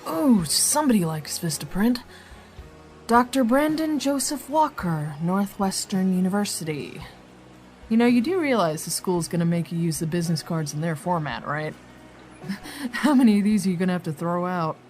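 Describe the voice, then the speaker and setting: An actress playing a wry, brisk law officer in naturalistic audio drama dialogue. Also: female voice, fairly low pitch, animated, a little mellow, faint music behind, close to an everyday voice. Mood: wry teasing. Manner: wry, teasing, conversational.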